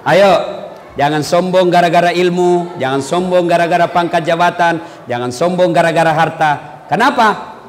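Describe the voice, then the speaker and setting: High-voiced joking preacher, echoey hall. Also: male voice, normal speed. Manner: lively, teasing, acts out quoted people in put-on voices. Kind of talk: humorous sermon. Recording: echoey hall with faint background noise.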